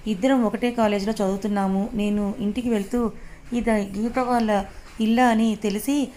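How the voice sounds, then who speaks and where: An obsessive young college man from a read-aloud story, as a woman reader puts him on, menacing and possessive. He speaks slowly and leeringly, or snaps out quick angry threats. The voice stays fairly flat in pitch. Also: a little hiss or hum, close to an everyday voice. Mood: friendly.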